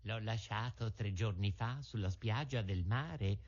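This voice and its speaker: A large storybook pigeon, voiced by a man, who speaks calmly and plainly, close to the reader's own voice. The sound is dull and lo-fi. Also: on the low side, a little slow, husky. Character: large calm male pigeon. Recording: dull lo-fi audio.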